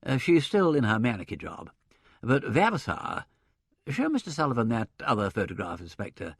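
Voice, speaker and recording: A cultivated gentleman sleuth, reflective and articulate, with a lively, varied pitch, as a male narrator voices him in an audiobook. The sound is dry and close. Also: normal speed, creaky, breathy edge, no echo, exaggerated voice.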